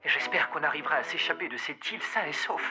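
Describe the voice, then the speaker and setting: A man voicing a nervous, eager, goofy boy in a French cartoon dub, hesitant and excitable, with music behind. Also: on the high side, fast, lightly acted. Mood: awkward, confiding.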